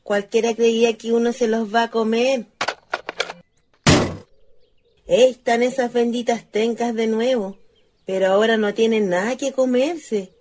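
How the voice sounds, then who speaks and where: An actress playing a chatty, wistful old spinster ghost in a radio play, with a rural Chilean accent and a folksy, exclaiming way of talking. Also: female voice, fairly high pitch, fairly even intonation, normal speed, darkish tone, a little hiss or hum, natural voice. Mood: indignant, reminiscing. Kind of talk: stage-style radio play acting.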